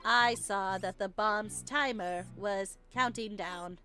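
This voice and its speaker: A woman's voice: mid-range voice, takes it slowly. A woman voicing a terse, detached male bomb disposal expert in a robotic, stilted way for a game read-aloud, with clipped phrases. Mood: flat, detached. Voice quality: robotic, flat, stilted delivery. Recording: game music behind the voice.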